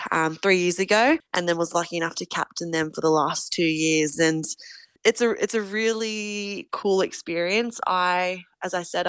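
A woman's voice: fairly low pitch, fairly bright tone, smooth, no room sound. A woman, answering interview questions in an earnest, reflective way. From Australia. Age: 20s. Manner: earnest, reflective, thinks aloud. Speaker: guest, rugby league captain.

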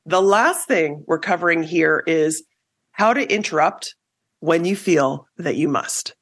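A woman hosting a podcast, giving scripted advice on communication in an emphatic, coaching way. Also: fairly low pitch. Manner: lively, emphatic coaching delivery. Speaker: podcast host.

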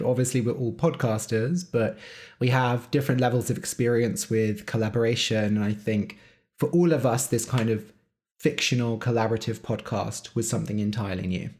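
A man with a mid-range voice hosts a relaxed podcast conversation. He talks in a chatty, easygoing way and fills his sentences with "like" and "you know.". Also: mid-range voice. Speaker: podcast host and interviewer. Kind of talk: casual interview talk.

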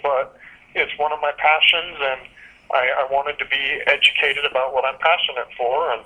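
Guy in his 30s from washington state, bright sharp-edged voice, calm articulate answers on a phone call. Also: medium pitch, breathy edge. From Washington State, USA. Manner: articulate, measured. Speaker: guest poet. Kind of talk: interview answers.

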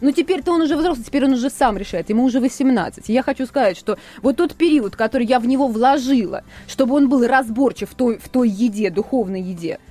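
A woman's voice: fairly high pitch, fast talker, hardly any pauses, warm tone, faint music behind. A woman, a guest on a radio talk show, arguing her point emphatically in a studio discussion. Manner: emphatic, insistent.

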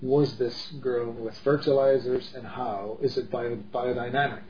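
A man's voice: mid-range voice, steady tone, a little slow. A middle-aged man from the Czech Republic, talking in an earnest, emphatic way with many restarts in a casual discussion. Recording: dull lo-fi audio with faint noise.

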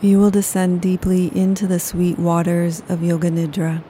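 A woman leading a guided yoga nidra meditation, speaking slowly and soothingly. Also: fairly low pitch, completely flat delivery, mellow, a little hiss or hum. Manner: slow, soothing, unhurried.

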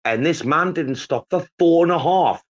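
A man's voice: a little high, moderate pace, muffled recording. A man hosting a casual live chat, telling a rambling story full of swearing.

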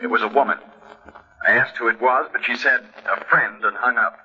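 A man's voice: mid-range voice, fairly quick, slightly rough. An actor in his forties playing an anxious, wealthy financier husband, urgent and tense, in a 1950s radio drama. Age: 40s. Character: rich, anxious middle-aged financier husband. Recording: dull old radio broadcast.

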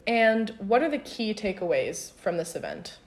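A woman's voice: medium pitch, big pitch swings, moderate pace. A woman podcast host asks friendly, prompting questions at a conference. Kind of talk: conference interviewer.

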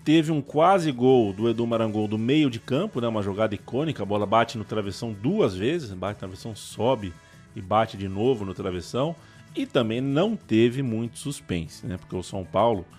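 A Brazilian man with a fairly low voice hosts a football history show. He tells the stories conversationally, as if chatting, over a light music bed. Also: lively intonation, normal speed, darkish tone, slightly rough.

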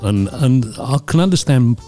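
A man's voice: medium pitch, lively intonation, moderate pace, warm tone, faint music behind. A man hosting a podcast, teasing his co-host and telling stories bluntly. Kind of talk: casual chat.

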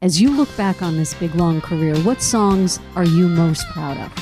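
Woman interviewer with soft guitar behind. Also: on the low side, normal speed. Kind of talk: interview questions.

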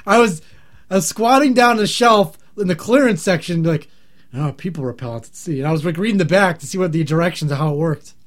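A man co-hosting a podcast in casual chat, a little hoarse and scratchy from being sick, clearing his throat often as he rambles and jokes. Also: high voice, fairly quick. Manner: rambling, joking. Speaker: podcast co-host.

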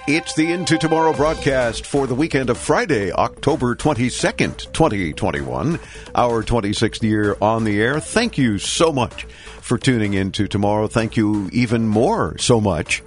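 A man's voice: medium pitch, lively intonation, moderate pace, soft background music. An older man hosting a tech news radio show, nasal and stuffy from a cold, delivering sarcastic quips. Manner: sarcastic, quipping commentary. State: congested with a cold. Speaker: host.

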